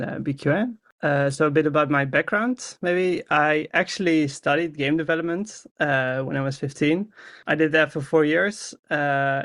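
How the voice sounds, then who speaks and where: A man's voice: on the high side, fairly bright tone. A young man with a Dutch accent, a podcast guest who talks modestly and hesitantly with many fillers. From Netherlands. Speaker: guest, artist. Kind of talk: casual podcast interview.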